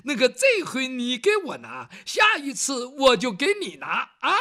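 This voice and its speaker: A storyteller voicing a cheerful, shameless young man who talks breezily and loudly. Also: high-pitched, very animated, a little slow, full character voice. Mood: breezy.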